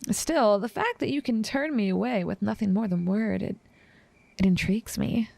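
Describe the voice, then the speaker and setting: A woman playing an obsessive, smug assassin smitten with her target, speaking in a teasing, formal, measured and menacing way in an intimate audio roleplay. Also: mid-range voice, creaky, warm tone, husky, no echo. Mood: intrigued.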